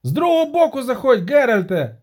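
A man voicing a small, excitable halfling who keeps yelling urgent orders. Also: extremely high pitch, brisk, pitched above the performer's own voice, exaggerated voice. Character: small excitable male halfling, bossy and hasty.

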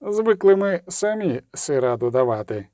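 A man's voice: fairly high pitch, very animated, normal speed, warm tone, no echo, clean studio sound. A man voicing a sullen, curt village settler. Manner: gloomy, curt. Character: sullen male settler, terse and distrustful.

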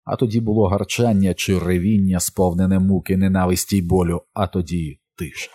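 Deep husky male audiobook narrator. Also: fairly even intonation, fairly quick, mellow. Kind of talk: scripted narration.

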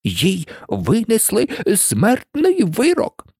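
A woman voicing a timid, anxious male white rabbit who talks in a nervous, hushed way in an audiobook. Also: mid-range voice, wildly swooping pitch, moderate pace, creaky, no room sound, clean studio sound, voice pushed up, full character voice. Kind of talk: audiobook character voice.

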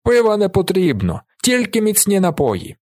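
A man voicing a brash, red-haired drinking challenger who shouts commands and toasts. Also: low voice, normal speed, dry recording, clean studio sound. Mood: shouting.

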